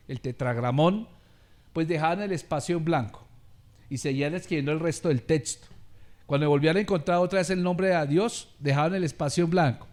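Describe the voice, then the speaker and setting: A man preaching a sermon, calling on listeners to repeat words after him and addressing them as beloved brother. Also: high-pitched. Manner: preaching with rising volume and call-and-response. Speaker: pastor.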